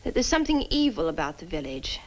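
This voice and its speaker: A woman's voice: on the low side, big pitch swings, quick pace, a little mellow, low-quality recording. A young actress playing an earnest, uneasy village woman in an old horror film. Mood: uneasy, grave. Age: young adult. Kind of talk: 1960 horror film acting.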